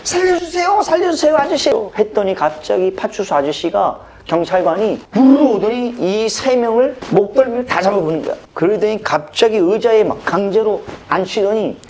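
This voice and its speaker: A man from Busan, a motivational speech coach, telling a personal story in a dramatic, expressive way. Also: sits high, moderate pace, few pauses, slight background noise. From Busan, South Korea. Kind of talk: animated storytelling talk.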